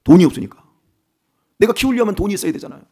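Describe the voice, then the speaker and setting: A man preaches an early-morning sermon in a husky, slightly higher voice. His pitch moves a lot as he turns to the congregation with questions. He drops into quiet asides, then rises to emphatic declarations. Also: animated, racing. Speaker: pastor. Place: church sanctuary.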